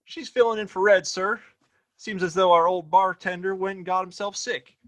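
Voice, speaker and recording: Man as high-pitched, cocky Western sheriff. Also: steady tone, moderate pace, lightly acted. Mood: deferential. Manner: folksy, rustic grammar. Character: cocky, threatening sheriff, boss's obedient son. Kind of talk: Western audio play acting.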